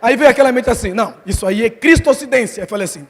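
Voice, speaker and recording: A missionary preacher telling a personal story in a sermon, acting out the voices of the people in it. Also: male voice, very high-pitched, fast. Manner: animated storytelling, acts out quoted voices. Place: large church hall. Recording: long hall reverb from the church.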